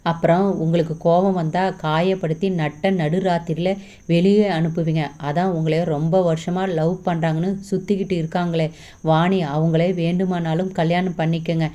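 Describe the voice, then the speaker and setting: A woman's voice: on the low side, level tone, moderate pace, warm tone, natural voice. A woman voicing a hurt young wife who answers in a firm, mocking tone. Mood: defiant. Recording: slightly dull lo-fi recording.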